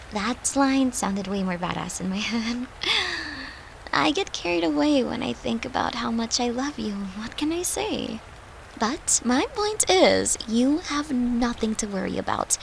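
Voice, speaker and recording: A devoted girlfriend, played by a woman, in an intimate comfort roleplay, with a fairly high voice and an unhurried pace. She is tender and coaxing, playful yet protective, and sometimes sinks into a murmur. A clear rain-like hiss sits behind her. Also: fairly bright tone, heavily acted. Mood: playful, affectionate. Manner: tender, soothing, coaxing, slipping into breathy murmurs.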